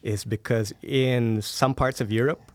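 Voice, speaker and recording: A man's voice: medium pitch, fairly even intonation, measured pace, no room sound. A man speaking as a podcast guest, explaining things conversationally with examples and check-in tags in a studio. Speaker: podcast guest, media entrepreneur. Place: recording studio.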